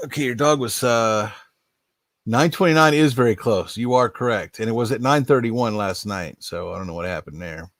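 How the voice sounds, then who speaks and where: Older guy hosting his live stream, lowish voice, bit nasal from allergies, rambly and folksy, dry sound. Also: no echo. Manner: rambling, folksy, chuckling asides. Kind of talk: casual live-stream chat, reading viewer names.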